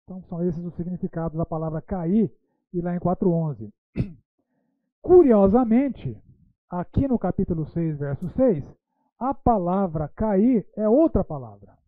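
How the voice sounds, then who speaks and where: His voice sits high, expressive and unhurried, recorded dry. He's a Bible school teacher who leans on rhetorical questions and often adds "né" to his sentences. The sound is tinny and phone-like.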